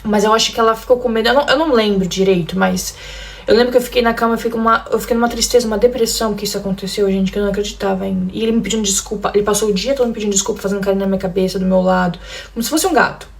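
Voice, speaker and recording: A woman's voice: medium pitch, fairly even intonation, racing, gravelly. A young woman from Brazil telling her own story of abuse, talking straight to her listeners and acting out the lines people said. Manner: addresses listeners as "gente", acts out quoted lines. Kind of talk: emotional personal testimony.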